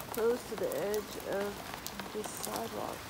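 The pace is fairly slow. Loud noise fills the background. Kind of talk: casual vlog chat. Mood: worried, amused at times. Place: garden. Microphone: phone near.

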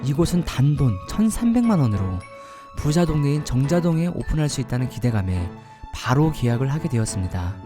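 A man's fairly high voice at a moderate pace with very wide pitch swings, music playing in the background. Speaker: hair salon owner. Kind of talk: ASMR radio-style personal story. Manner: soft-spoken, whispered.

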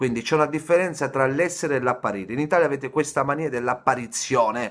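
Over a quiet background, a man speaks very fast at a fairly high pitch with ordinary pitch variation. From Germany, Italian family. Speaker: YouTuber. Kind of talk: vlog rant. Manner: halting. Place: kitchen. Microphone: phone near.

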